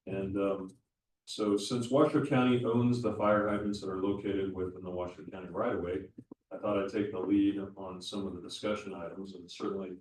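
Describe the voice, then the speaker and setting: A man's voice: low-pitched, flat delivery, normal speed, darkish tone, a little hiss or hum. A man speaking as a county official at a community meeting, explaining things step by step with frequent restarts. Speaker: county public works official presenting. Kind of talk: public meeting presentation. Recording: echoey room, voice from far off the mic.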